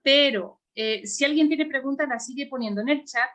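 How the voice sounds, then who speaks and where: Female moderator, fairly high voice, informal and hesitant, video call. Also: moderate pace, fairly bright tone. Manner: hesitant, informal, many fillers. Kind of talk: moderating an online conference session.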